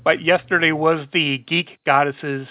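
Male show host, hoarse, rambling, tinny phone-like sound. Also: on the high side, fairly even intonation, unhurried, no room sound. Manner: chatty, rambling with restarts. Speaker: podcast host. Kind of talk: casual talk show hosting.

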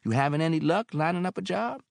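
Male narrator doing an older motherly landlady for an audiobook, scolding and warmly bossy, lively sing-song lines, dry studio. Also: fairly high pitch, quick pace, gravelly, no room sound, pitched above the performer's own voice. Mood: gruff reassuring. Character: older motherly landlady, gruff but kind-hearted. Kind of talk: audiobook character voice.

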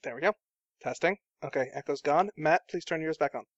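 A man acting as game master, briskly organizing players over an online call. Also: on the high side, no room sound, dull audio.

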